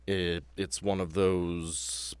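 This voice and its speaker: A man's voice: deep voice, level tone, drawn-out words, clean tone, no room sound. A man acting as game master, talking casually as he explains a tabletop game.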